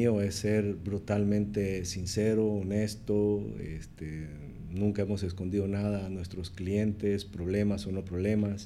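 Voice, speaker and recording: Very slowly and in a flat monotone, a man with a fairly low, dark and mellow voice speaks amid audible room echo. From Bolivia, Santa Cruz. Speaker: tech company founder and CEO. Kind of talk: interview. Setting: office. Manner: halting.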